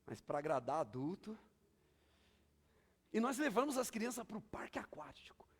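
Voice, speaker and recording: Guy preaching, high voice, swoops up and down a lot, tells stories over and over. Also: very animated, normal speed, breathy edge. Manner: storytelling, repetitive and emphatic. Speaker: pastor. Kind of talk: sermon.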